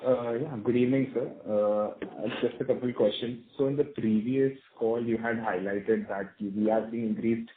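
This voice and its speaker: A man with an Indian accent asks questions as an analyst on a company call. His voice sits at a middle pitch and sounds narrow and telephone-like, with a roomy echo around it. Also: fairly even intonation, normal speed, hardly any pauses, slight background noise. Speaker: investment analyst caller. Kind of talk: asking questions on earnings call. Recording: echoey, tinny phone line.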